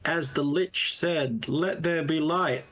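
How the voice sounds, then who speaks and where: A man's voice: fairly high pitch, takes it slowly, fairly bright tone. A man playing a tabletop game with casual banter.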